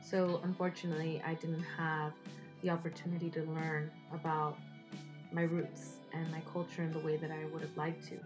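Earnest low-voiced woman. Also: level tone, normal speed, over music, rough recording. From Salvadoran heritage. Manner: earnest, heartfelt. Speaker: host, writer and singer. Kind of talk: speaking to camera about a project.

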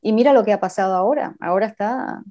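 A woman's voice: mid-range voice, quick pace, dark tone. A woman with a mixed Cuban and Argentine Spanish accent, chatting casually as a guest. She hesitates often with fillers and slips in English phrases. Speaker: interview guest. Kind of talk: casual conversation. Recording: dull lo-fi recording.

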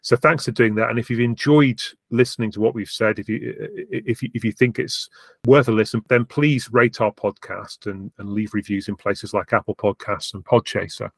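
A man with a somewhat low voice hosts a casual podcast chat, recorded dry and close. He stumbles and repeats words as he goes, with a dry, self-mocking humour. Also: steady tone, normal speed, creaky, husky, no echo. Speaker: podcast host.

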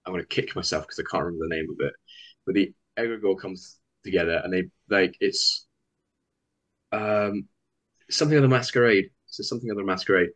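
A man's voice: deep voice, fairly quick, a bit bright. A man guest chatting casually on a podcast, rambling and acting out what people say to him. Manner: rambling, acts out quoted dialogue. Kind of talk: casual chat. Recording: dull, lo-fi sound.

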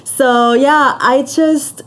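A woman's voice: sits high, steady tone, drawn-out words. A young woman from Germany with a German accent, a guest on a casual interview, talking eagerly with frequent laughs and fillers. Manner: enthusiastic, laughs often, many fillers. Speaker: guest, shark researcher.

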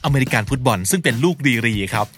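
A male podcast host with a lively, swinging voice who talks upbeat and drawls out each word he spells. Soft music plays quietly under him. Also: medium pitch, fast. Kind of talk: podcast ad read and vocabulary recap.

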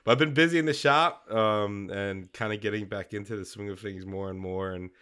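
A man's voice: fairly low pitch, brisk, fairly bright tone, clear, resonant tone. A man co-hosting a maker podcast, congested, chatting casually in a rambling way with many fillers and restarts. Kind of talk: casual chat.

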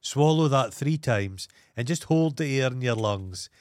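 A man's voice: medium pitch, animated, measured pace, no echo, clean studio sound. A Scottish man co-hosting a podcast, chatting in a blunt, sweary, mocking way. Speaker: podcast co-host. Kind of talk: casual comedic chat.

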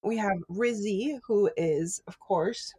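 A woman's voice: mid-range voice, slow, mellow, breathy edge. A woman guest who grew up speaking Spanish, chatting casually in an interview and telling her story with lots of laughter. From California.

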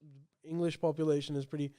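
A man from Pakistan, a native Urdu speaker, co-hosting a casual podcast. His voice is fairly high for a man and smooth, and it sits close and dry on the mic. He explains at length in loose, informal runs. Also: little pitch movement, fast talker, dark tone, dry recording. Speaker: podcast co-host.

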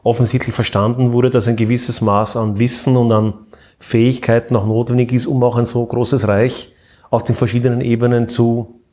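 Polite male interviewer, mid-pitched voice. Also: little pitch movement, moderate pace, a little mellow. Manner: polite, summarizing and asking follow-up questions, brief backchannels. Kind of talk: interview questions.

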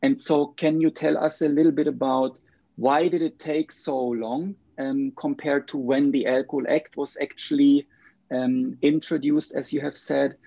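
Mellow, gravelly German-accented male interviewer. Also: medium pitch, no echo, lo-fi sound. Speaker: interviewer, host. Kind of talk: measured conversational interview.

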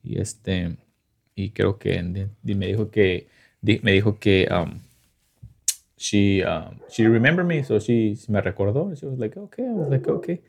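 A man with a Chicano accent chatting casually, switching between Spanish and English in a halting, slangy, profane way. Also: lowish voice, creaky, breathy edge. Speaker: photographer.

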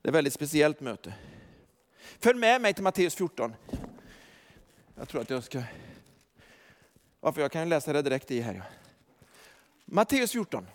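High-voiced preaching man in a hall. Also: big pitch swings, long pauses. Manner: emphatic preaching that swings from quiet asides to shouted declarations; chuckles often while telling. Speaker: pastor. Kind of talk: sermon. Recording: long reverb of a large hall.

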